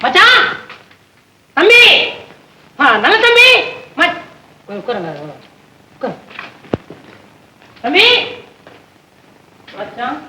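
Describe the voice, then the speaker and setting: A man's voice: extremely high pitch, very animated, moderate pace. A man playing a panicky comic servant in 1960s film dialogue, stammering and frantic. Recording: roomy old film track with noise.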